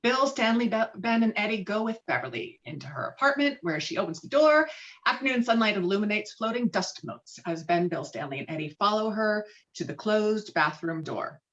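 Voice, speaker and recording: A woman's voice: mid-range voice, lively intonation, normal speed, a bit bright. A woman narrating scripted stage directions at a virtual table read. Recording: dull lo-fi video call audio.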